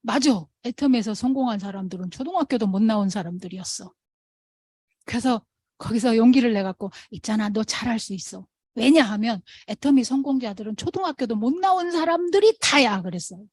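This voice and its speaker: A woman speaks to a meeting hall audience in a fairly high voice, telling stories with lively, animated delivery. She acts out the people she quotes in a raised voice. The sound is dry and close, with little room echo. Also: a little fast, slightly rough. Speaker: motivational speaker at a sales meeting. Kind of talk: storytelling talk to an audience.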